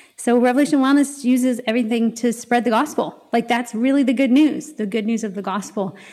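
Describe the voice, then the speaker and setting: The speech moves at a fairly quick pace with hardly any pauses and ordinary pitch variation. Noticeable background noise runs underneath. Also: woman, high pitch for a woman. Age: 50s. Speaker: wellness instructor and ministry leader. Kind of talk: casual chat. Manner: animated.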